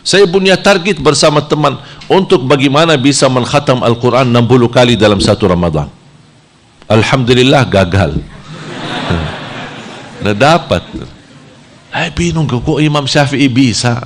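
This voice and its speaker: A man from Saudi Arabia, preaching a sermon in a lively style whose pitch jumps high when he plays out temptations. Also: moderate pace, pauses often, slight background noise.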